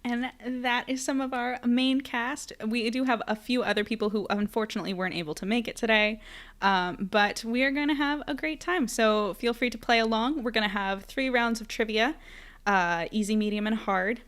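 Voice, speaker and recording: A woman with a fairly high voice hosts a podcast. Her style is upbeat and casual, and she is speaking over an online video call. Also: fairly even intonation, normal speed, a bit bright. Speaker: podcast host.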